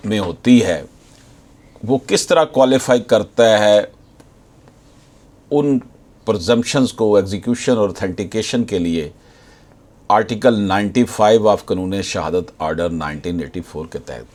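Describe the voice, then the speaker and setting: A man with a Pakistani accent delivers a legal lecture. His voice sits on the low side, and his pace is very slow. He is deliberate, moving between reading formal text and explaining it as an advocate would. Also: a little mellow. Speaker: advocate explaining case law.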